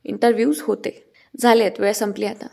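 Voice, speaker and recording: A woman's voice: medium pitch, little pitch movement, normal speed, creaky, mellow. A woman voicing a strict young male hospital boss who curtly scolds an applicant for coming late. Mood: stern. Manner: curt, scolding.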